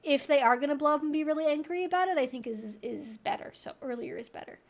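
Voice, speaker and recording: High-voiced woman chatting on a livestream. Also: quick pace. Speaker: livestream host. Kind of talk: casual Q&A livestream chat.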